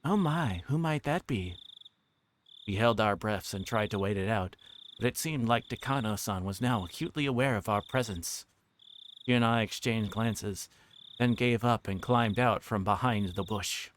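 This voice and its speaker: A man's voice: on the low side, moderate pace. A man reading a visual novel aloud on a livestream, narrating with occasional stumbles over words. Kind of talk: livestream read-aloud narration with character voices. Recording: clearly noisy background with clicks.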